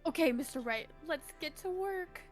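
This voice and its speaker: A woman's voice: high-pitched, animated, normal speed, soft background music, pitched above the performer's own voice. A woman voicing a perky young female rookie lawyer, feisty and easily flustered, in a video game.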